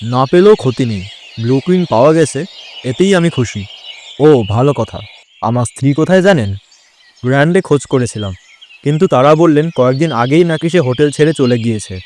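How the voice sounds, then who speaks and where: A man's voice: medium pitch, lively intonation, a little fast, darkish tone, a little hiss or hum, close to an everyday voice. A man playing an ageing, emotional jeweller in an audio drama. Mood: anxious, relieved. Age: older. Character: ageing, emotional jeweller husband seeking stolen pearls.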